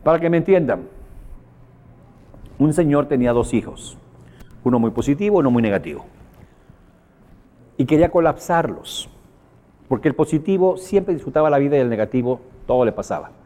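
A man's voice: a little high, moderate pace, long pauses. A man with a Mexican accent gives a motivational talk, telling anecdotes and asking the audience questions. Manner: animated storyteller, asks the audience questions. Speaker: motivational speaker.

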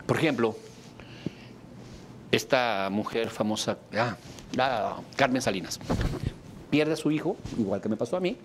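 A man with a Mexican accent, a therapist giving a talk to a live audience, animated and theatrical, acting out examples with sudden leaps in pitch. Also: a little slow, long pauses, a little hiss or hum.

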